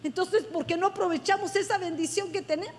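High-voiced woman preaching in a hall. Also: fairly even intonation, fairly quick, slight background noise. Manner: effusive, emphatic preaching. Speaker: pastor. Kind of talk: sermon. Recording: long hall reverb.

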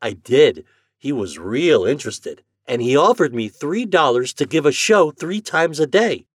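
A man's voice: a little high, very animated, unhurried, slightly rough, no echo, clean studio sound, pitched above the performer's own voice, full character voice. A man voicing an eager, jolly farm boy in a storybook, speaking in rustic old-time country dialect. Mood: eager, boastful. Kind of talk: storybook character voice.

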